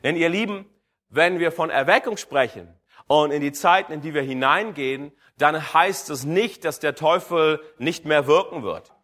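A man's voice: on the high side, normal speed, fairly bright tone. A man preaching a sermon, addressing the congregation directly and calling for amens.

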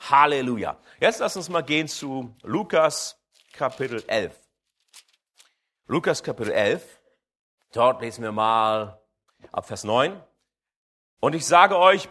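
A man's voice: a little high, bright, forceful tone. A man preaching a sermon, addressing the congregation directly and calling for amens.

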